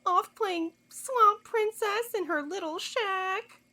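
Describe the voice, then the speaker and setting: A woman's voice: extremely high pitch, slow, bright, forceful tone, heavily acted. An actress playing a haughty, sardonic woman cultist in an audio drama, speaking in theatrical, disdainful phrases. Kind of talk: scripted audio drama acting.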